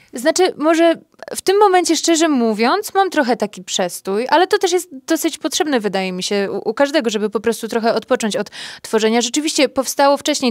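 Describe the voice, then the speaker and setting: At a fairly quick pace, a woman speaks with very wide pitch swings in a dry sound with no echo against a quiet background. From Poland, Białystok; Poland. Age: 20s. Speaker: singer; interview guest. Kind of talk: radio interview. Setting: radio studio. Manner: hesitant, many fillers. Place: studio. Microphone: handheld.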